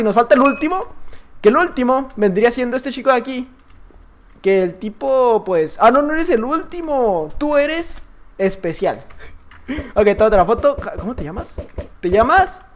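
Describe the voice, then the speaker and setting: Man, Mexican accent, loud, shouting, animated pitch, gameplay commentary. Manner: loud, shouting and laughing often. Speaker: gaming YouTuber.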